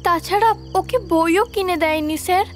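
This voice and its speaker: Devoted young student girl, really high voice, earnest, film drama, faint music. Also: moderate pace. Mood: respectful, earnest. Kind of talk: Bengali film drama acting.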